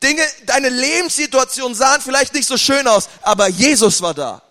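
A man preaching a sermon with passion, moving between loud outbursts and quiet, intense stretches. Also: very high voice, lively intonation, moderate pace. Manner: impassioned, swings from loud to quiet. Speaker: pastor. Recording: long hall reverb.

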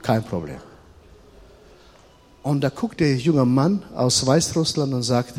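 A middle-aged man preaching a sermon, switching between loud emphatic passages and quiet, confiding storytelling. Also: medium pitch, unhurried. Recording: long reverb of a large hall.

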